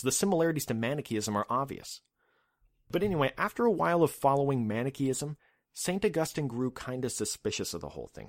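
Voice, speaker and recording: A man's voice: medium pitch, no echo, studio quality. A man hosting a podcast, telling a history story in a casual, wry way with lots of asides. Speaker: podcast host.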